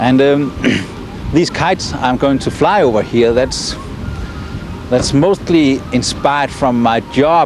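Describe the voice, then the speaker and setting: A man with a Danish accent at a very slow pace, medium in pitch with ordinary pitch variation and very even loudness, over noticeable background noise. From Denmark. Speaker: kite flyer, graphic designer. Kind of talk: interview.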